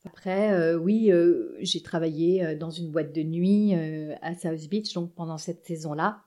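A woman's voice: low voice, a little slow, warm tone. A woman in her forties, a podcast guest, telling casual anecdotes in a chatty, hesitant way with many restarts.

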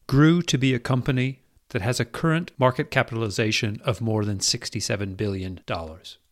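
A man hosting a podcast, reading a measured, formal introduction and then interviewing his guest. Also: mid-range voice, creaky. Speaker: podcast host.

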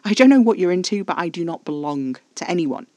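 A man's voice: on the high side, brisk, darkish tone, no echo, natural voice. A man voicing a scornful, disbelieving young man in a storybook, blunt and defiant.

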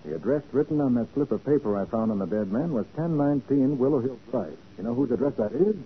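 An actor playing a confident, take-charge private detective in a 1940s radio crime drama, with crisp, brisk questioning. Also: male voice, medium pitch, lively intonation, lightly acted. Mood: intrigued, decisive. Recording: noisy, phone-like 1940s radio recording.

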